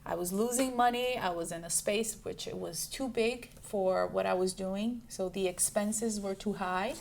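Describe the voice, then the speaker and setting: A woman's voice: mid-range voice, measured pace, vocal fry, a little hiss or hum. A woman in her forties from Brazil, a juice bar owner, answering interview questions in a chatty way, full of ums and restarts. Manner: chatty, lists things with many ums and restarts.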